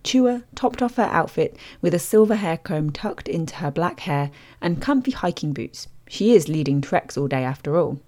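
A woman host reading scripted documentary narration in a measured, descriptive storytelling manner as a studio voice-over. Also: lowish voice, expressive, darkish tone.

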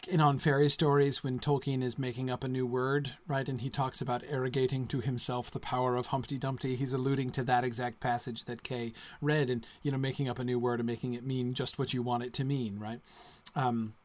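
A man's voice: medium pitch, flat delivery, fairly quick. A man in a mid-range voice hosts a reading event. He speaks casually and rambles, full of ums and uhs. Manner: rambling, many fillers. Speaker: event host. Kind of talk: casual remarks between readings.

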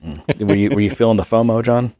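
A man's voice: fairly low pitch, fast talker, mellow, no room sound, studio quality. A man co-hosting a podcast in casual chat, rambling and laughing often while he has a cold and cough. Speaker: podcast co-host.

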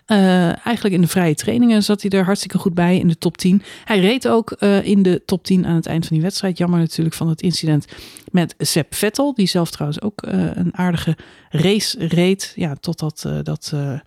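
A playful co-host chats about motor racing with a teasing edge and easy laughs. The voice sits mid-range in pitch. The recording is close and dry. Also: moderate pace, creaky, few pauses, darkish tone, dry recording. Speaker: podcast co-host. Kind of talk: casual Formula 1 chat.

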